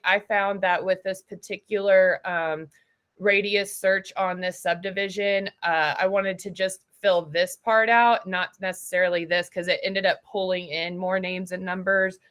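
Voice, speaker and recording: A woman trainer explaining software steps in an informal, explanatory way, as in a casual tutorial for agents. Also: mid-range voice, fairly even intonation, a little slow. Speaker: trainer for real estate agents.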